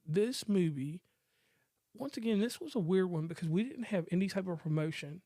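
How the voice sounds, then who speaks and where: A man co-hosting a casual movie review podcast, talking in a relaxed, rambling, joking way. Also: sits high, moderate pace, dry recording, studio quality. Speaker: podcast co-host.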